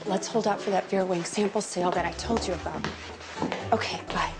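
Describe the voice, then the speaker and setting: An actress playing a brisk, politely firm wedding planner in a romantic comedy film. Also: female voice, fairly low pitch, fairly even intonation, close to an everyday voice. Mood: harried.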